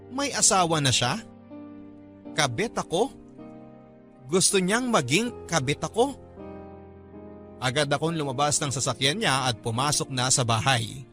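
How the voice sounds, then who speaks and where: Bright-voiced male drama narrator. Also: mid-range voice. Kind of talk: scripted first-person story narration.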